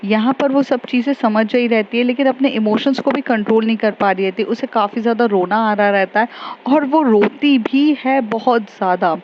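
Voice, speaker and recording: A woman's voice: on the high side, normal speed. Chatty woman retelling a story. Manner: chatty, many fillers, mixes English into Hindi. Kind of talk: casual spoken story retelling. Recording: slightly dull, faint background noise.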